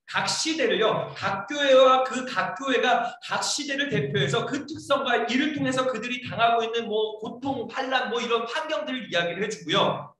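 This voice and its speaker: Male pastor, sermon, bright voice, recorded from far off in an echoing church hall. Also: very high-pitched, normal speed, hardly any pauses. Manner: keeps asking the congregation questions; acts out scolding lines in a raised voice. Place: church sanctuary.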